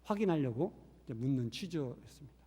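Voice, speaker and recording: A man's voice: mid-range voice, expressive, fairly quick, warm tone, breathy edge. A man who is a missionary preaching a sermon, telling a story earnestly. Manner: earnest storytelling, acting out quoted voices. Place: church sanctuary. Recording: reverberant church hall.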